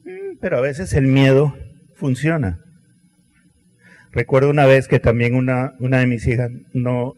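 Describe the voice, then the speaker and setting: A middle-aged man preaching a sermon, telling stories with acted quotes and dramatic pauses. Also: medium pitch, a little mellow. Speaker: pastor. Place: large church hall. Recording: long church hall reverb.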